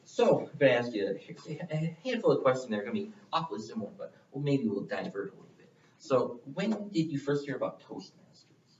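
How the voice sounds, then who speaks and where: Interviewing club members in a meeting room, the club's area director talks in a friendly, long-winded, encouraging manner during this casual conversation. His delivery is brisk and sing-song, medium in pitch with a darkish tone. Slight background noise accompanies a roomy, distant, dull recording.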